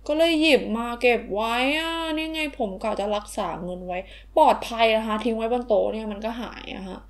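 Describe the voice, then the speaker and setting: A woman's voice: a little high, animated, fairly quick. A woman voicing a young boy in a toy story, stammering out excuses after taking money. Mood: pleading.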